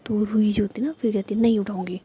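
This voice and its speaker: A woman's voice: mid-range voice, steady tone, fast, mellow, slightly rough, lo-fi sound. A young woman telling a romantic story in a casual, chatty way, full of fillers, voicing the characters' pleading lines herself.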